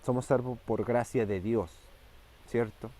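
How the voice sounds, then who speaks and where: A man preaching a fervent sermon, repeating key phrases and slowing down and rising for emphasis. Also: mid-range voice, fairly even intonation, warm tone.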